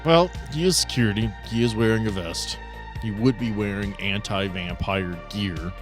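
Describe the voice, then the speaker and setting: A man's voice: on the low side, moderate pace, music in the background. A man narrating a tabletop roleplaying game as game master, in an informal way with some swearing.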